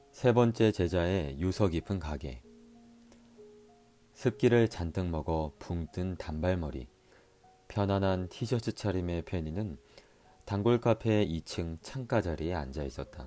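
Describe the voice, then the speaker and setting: Over music in the background, a man with a very deep, low pitch speaks at a very slow pace. His intonation is lively, broken by long, frequent pauses. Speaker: audiobook reader. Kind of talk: novel reading. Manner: soft-spoken.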